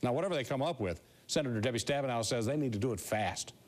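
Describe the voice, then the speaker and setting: A man's voice: mid-range voice, lively intonation, fast talker, a little mellow. An American man delivering a scripted news report as a TV reporter.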